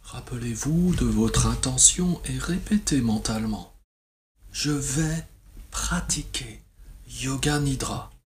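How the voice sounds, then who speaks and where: A man guides a relaxation meditation as a yoga nidra teacher, soothing and measured, with long pauses. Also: medium pitch, slight background noise.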